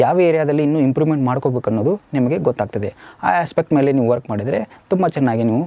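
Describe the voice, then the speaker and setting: A man talks with lively intonation and very even loudness. The sound is dry, with no echo. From Belagavi district, northern Karnataka; Karnataka. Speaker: civil servant. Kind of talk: exam preparation advice talk. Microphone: lapel.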